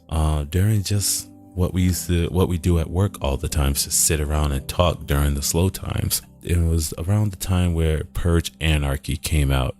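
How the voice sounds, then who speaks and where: A man hosting a podcast, talking off the cuff in a halting, self-deprecating, rambling way. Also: a bass voice, darkish tone. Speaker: podcast host and writer. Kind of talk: unscripted rambling talk.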